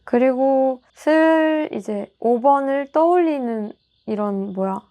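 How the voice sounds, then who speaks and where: Woman reading tarot for viewers, kinda high voice, chatty and reassuring. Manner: chatty, reassuring, acts out little quoted lines. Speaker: tarot reader.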